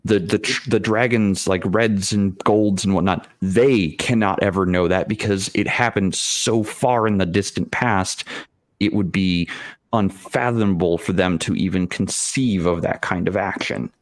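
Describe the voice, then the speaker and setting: A man in a casual tabletop gaming discussion, speaking as a game master and explaining things in a halting, rambling way with repeated phrases. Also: deep voice, no room sound.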